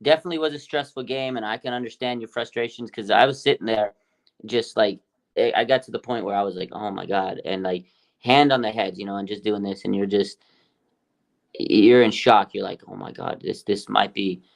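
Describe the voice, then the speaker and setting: A man's voice: fairly low pitch, a little fast, gravelly. A man co-hosting a casual sports podcast, talking in an emphatic, enthusiastic way. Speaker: podcast co-host.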